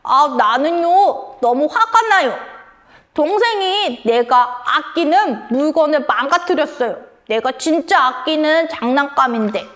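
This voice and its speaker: Sulky little kid character, whiny and very high-pitched, as a woman puts it on for a children's sermon. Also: expressive, measured pace, a bit bright. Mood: angry, whiny. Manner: whiny, stomping complaints.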